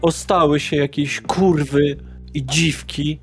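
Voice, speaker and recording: Male player as vain, foul-mouthed vampire socialite lady. Theatrical, catty, slow, music underneath. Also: a little high, fairly even intonation. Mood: catty, scornful. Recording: music behind the voice.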